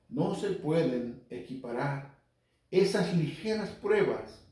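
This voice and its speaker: A man's voice: medium pitch, darkish tone. A man teaching the Bible to a congregation, quoting scripture and speaking to listeners by name. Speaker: lay Catholic preacher. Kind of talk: Spanish-language Bible teaching. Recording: very echoey hall, from far off.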